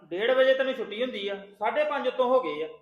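An actor playing a stern elder brother who scolds his sister loudly. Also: very high voice, expressive, quick pace, reverberant, muffled recording. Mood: angry scolding. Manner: scolding, interrogating, loud. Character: stern angry elder brother, young adult man.

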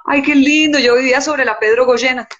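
A woman, answering calmly as a guest on a live video chat from home. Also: high-pitched, a little fast, highs cut off. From born in the United States, raised in Colombia. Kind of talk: casual live-stream chat. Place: indoor room at home.

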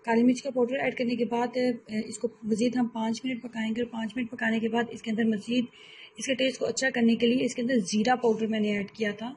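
A woman hosting a home cooking channel, calmly explaining recipe steps in a voice-over and often repeating herself. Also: on the high side, quick pace, slight background noise, rough recording.

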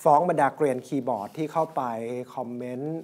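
A man hosting a morning news show, reading out a story and quoting people in a steady news delivery. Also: on the high side, fairly quick. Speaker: news program host.

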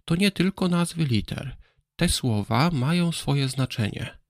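A man presenting a Bible history program, giving calm, scripted explanations and spelling out letters slowly. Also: fairly high pitch, no room sound, studio quality. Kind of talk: scripted educational narration.

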